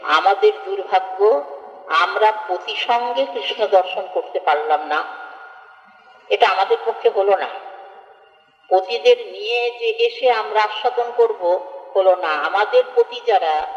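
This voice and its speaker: A woman's voice: mid-range voice, animated. Woman preaching in an echoey hall. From West Bengal. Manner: earnest expository, with slow chanted verse recitation. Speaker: devotional scripture expounder. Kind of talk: devotional discourse. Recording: echoey hall, dull lo-fi, faint music.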